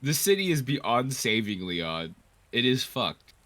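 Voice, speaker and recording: A man's voice: mid-range voice, big pitch swings, a little slow, a bit bright. A man giving casual, joking game commentary as a co-host, bantering and swearing freely. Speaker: let's play co-host.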